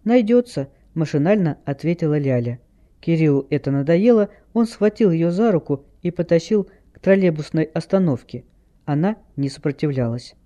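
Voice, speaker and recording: A man narrating an audiobook in a lively manner, shifting his voice for each character. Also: fairly high pitch, normal speed, dull audio. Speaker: audiobook reader.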